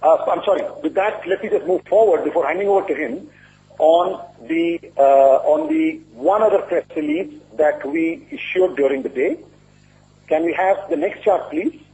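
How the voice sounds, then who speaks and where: Guy doing an earnings call presentation, soft mellow tone, bit high, measured and formal, lo-fi call audio. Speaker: company executive presenting results. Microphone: conference call line. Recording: muffled lo-fi conference call audio.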